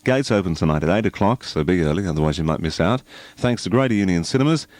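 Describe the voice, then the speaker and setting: A man's voice: low voice, expressive, fast, darkish tone, no room sound. An Australian man presenting music and promotions as a 1980s radio DJ.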